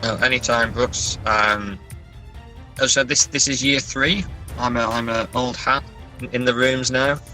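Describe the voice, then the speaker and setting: A man's voice: medium pitch, fairly even intonation, a little slow, sharp tone, faint music behind, poor audio. A man talking casually as a guest author in an interview, chatty and self-deprecating.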